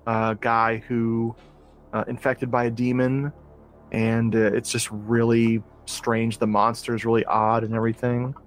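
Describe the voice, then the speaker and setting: A man's voice: medium pitch, flat delivery, a little slow. A man co-hosting a podcast in casual chat about movies, talking enthusiastically with frequent restarts and fillers. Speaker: podcast co-host.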